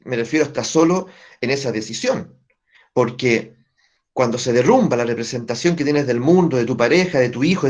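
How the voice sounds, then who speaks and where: Man, family constellations teacher, explanatory group talk, fairly high voice, frequent tag questions, muffled lo-fi recording. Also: darkish tone. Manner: checks in with listeners through frequent tag questions. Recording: dull lo-fi recording.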